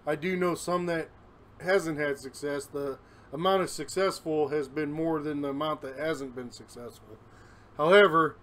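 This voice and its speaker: A man's voice: on the high side, fairly bright tone. A man rambling candidly in a casual solo vlog, recording himself on a phone at home, a little out of breath. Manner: rambling, candid, self-deprecating. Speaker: vlogger. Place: his home. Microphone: phone camera, recording himself.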